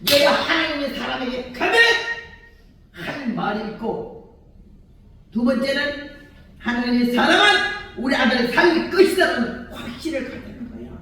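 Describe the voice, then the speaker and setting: An older woman evangelist, preaching a sermon in animated storytelling, acting out dialogue and laughing often. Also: sits high, moderate pace, pauses often, a little hiss or hum. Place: large church hall. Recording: echoey church hall from far off.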